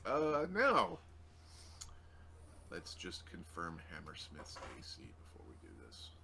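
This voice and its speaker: A man acting as game master of a tabletop roleplaying game, talking casually and haltingly as he works through rolls and numbers. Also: low voice, wildly swooping pitch, background noise. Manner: casual, halting while working out numbers aloud.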